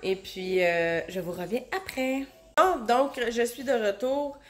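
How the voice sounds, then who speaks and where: A woman's voice: a little high, slow. A woman in her thirties with a Québécois French accent, chatting casually to her phone at home. She has a cold, so she sounds nasal and stuffed up, and she rambles with lots of fillers. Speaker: vlogger, stay-at-home mom. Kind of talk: casual chat to camera. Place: home, indoors. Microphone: handheld phone.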